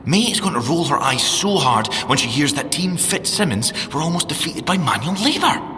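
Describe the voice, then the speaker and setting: A man's voice: a little high, big pitch swings, normal speed, sharp tone, big-room sound, faint music behind. An actor with a Scottish accent playing a playful, teasing scientist agent in an audio drama, theatrical in his delivery. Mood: chatty, earnest.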